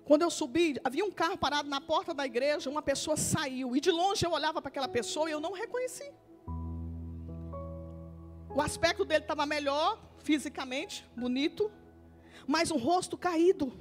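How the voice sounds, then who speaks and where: High-voiced Brazilian woman pastor preaching. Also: soft background music. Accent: Brazilian Portuguese. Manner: swings between quiet storytelling and loud, drawn-out scripture reading. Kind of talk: sermon. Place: church.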